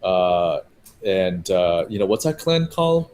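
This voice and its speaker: A man's voice: deep voice, sing-song, unhurried, darkish tone, slight background noise. A man, a game developer, talking in a loose, rambling way on a live stream, full of fillers and restarts. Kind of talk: casual live-stream chat.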